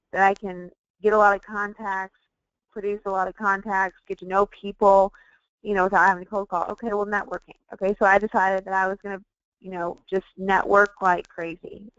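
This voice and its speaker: A woman's voice: mid-range voice, a bit bright, clear, resonant tone, dry recording. A woman guest on a webinar telling her own sales story in a candid, informal, conversational way. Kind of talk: conversational personal testimonial. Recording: dull, lo-fi webinar audio.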